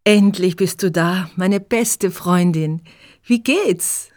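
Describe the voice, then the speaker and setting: A woman's voice: lowish voice, slow pace, dry recording, studio quality. Woman voicing an eager young Viennese woman. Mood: friendly. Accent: Viennese German. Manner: warm, lively, excited.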